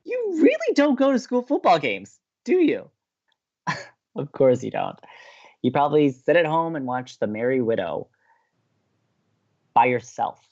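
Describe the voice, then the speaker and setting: A young campus radio host in an audio drama, gleeful and romantic. His pitch swoops about as he teases and stresses words dramatically. The sound is slightly dull. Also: measured pace, pauses often, full character voice. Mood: amused, teasing. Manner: excitable, teasing, dramatic emphasis. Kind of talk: bantering audio drama dialogue.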